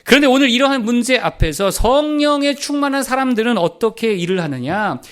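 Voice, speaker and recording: High-voiced man preaching a sermon. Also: expressive, a little fast, fairly bright tone, smooth. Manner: rhetorical questions, drops to a low voice for quoted lines. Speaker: pastor.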